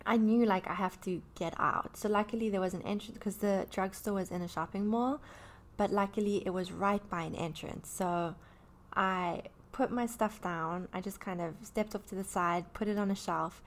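A woman's voice: mid-range voice, fairly even intonation, moderate pace, slight background noise. Candid rambling woman in her thirties. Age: 30s. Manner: candid, rambling, many fillers and restarts. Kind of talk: personal talk about anxiety.

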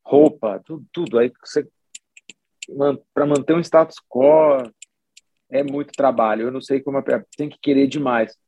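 At a medium pitch and moderate pace, a male musician rambles casually through an interview. He sounds relaxed, dropping lots of slang and often starting over mid-thought.

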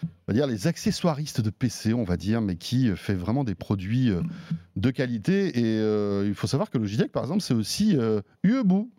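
A man's voice: mid-range voice, very animated, normal speed, dark tone, no room sound. A man hosting a radio tech show, chatty and addressing listeners directly. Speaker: radio host. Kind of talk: casual radio chat.

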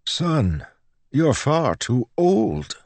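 A man's voice: on the high side, wildly swooping pitch, very slow, creaky, a little mellow, no room sound, voice pushed up, full character voice. A man voicing a crotchety old priest in an audiobook, weary, patronising and exasperated. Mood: dismissive.

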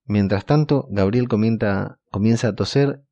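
Male podcast host, very low mellow voice, steady recap delivery, dry dull lo-fi sound. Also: no room sound. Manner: steady retelling with occasional filler pauses. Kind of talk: scene-by-scene episode recap.

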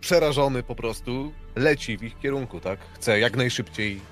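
A man's voice: medium pitch, normal speed, a bit bright, faint music behind. A young man playing in a tabletop game, eagerly asking what he can do and describing his character's actions. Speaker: player.

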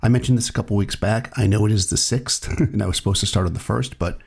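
Gravelly man with a cold. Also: on the low side, quick pace. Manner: relaxed, reflective, chatty. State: has a cold, voice strained. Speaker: podcast host. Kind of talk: solo podcast monologue.

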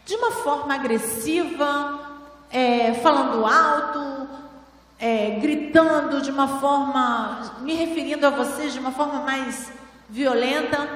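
A woman giving a spiritual lecture to a seated audience on a handheld microphone, teaching in a didactic way with rhetorical questions. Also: high-pitched. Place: large hall with audience. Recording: echoey hall, voice from far off.

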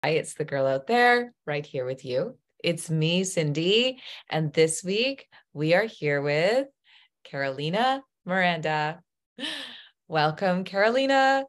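A woman hosting a podcast in casual chat, emotional and gushing, often filling pauses with um and uh. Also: on the low side, lively intonation. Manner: emotional, gushing, many ums and uhs. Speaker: podcast host.

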